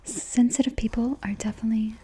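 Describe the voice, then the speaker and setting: Hushed, whispering woman in soft mellow ASMR. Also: on the high side, fairly even intonation, slight background noise. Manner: gentle, deliberate, reassuring affirmations.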